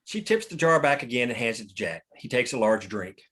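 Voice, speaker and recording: A man's voice: medium pitch, very animated, fairly quick, a bit bright, husky. Man reading screenplay stage directions. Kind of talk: scripted screenplay table read narration.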